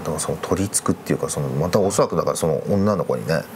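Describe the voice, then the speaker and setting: A man's voice: rumbling low, very fast, darkish tone. A middle-aged man casually telling a ghost story, thoughtful and hesitant, letting phrases trail off. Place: dark studio, seated at candlelit table. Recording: clear background noise.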